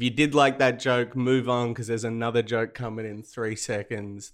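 In an Australian accent, a man speaks with monotone, flat intonation on a very clean recording with a silent background. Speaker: comedian. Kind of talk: casual interview.

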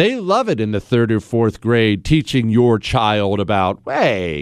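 A man with an American accent at a fairly slow pace, on a very clean recording with a silent background. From US West (Montana). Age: 40s. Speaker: political talk show host. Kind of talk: political talk commentary. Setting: studio. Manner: animated; sarcastic.

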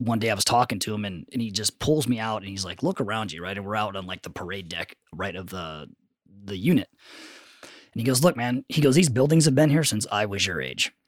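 An unremarkable speaking voice from a man at a medium pitch, fairly quick, with lively intonation, big swings in loudness and a dry, close sound with no echo. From Southeast San Diego, California. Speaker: former Navy SEAL and gear business owner. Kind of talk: casual interview chat. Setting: studio.

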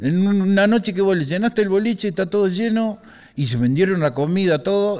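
Very wide pitch swings mark this dark, mellow tone, heard in a very clean recording with a silent background. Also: man. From Uruguay, Montevideo. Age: 60s. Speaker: bassist and singer. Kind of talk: casual chat. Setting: radio auditorium.

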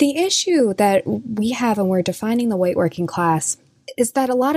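On a very clean recording with a silent background, a woman with an unremarkable speaking voice talks at a moderate pace and medium pitch. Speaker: academic researcher. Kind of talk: interview about research.

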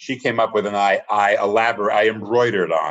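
A man with an American accent has an unremarkable speaking voice. He talks at medium pitch and a moderate pace. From New Jersey. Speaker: comedian and writer. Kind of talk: casual chat.

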